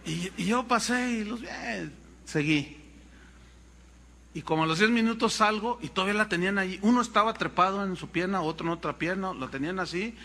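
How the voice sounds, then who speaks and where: A pastor with a Mexican accent preaching a sermon, telling stories with animation and calling the congregation brothers. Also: male voice, high-pitched, brisk, sharp tone, long reverb tail.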